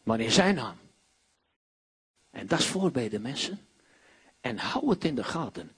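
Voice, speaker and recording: A man preaching a sermon, swinging between hushed storytelling and loud commanding proclamations. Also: mid-range voice, very animated, unhurried, husky.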